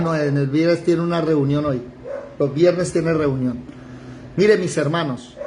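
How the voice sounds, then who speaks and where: Animated high-voiced teacher. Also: male voice, a little hiss or hum. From Colombia. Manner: animated, rhetorical questions, mock dialogues. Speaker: Bible teacher. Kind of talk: informal Bible class.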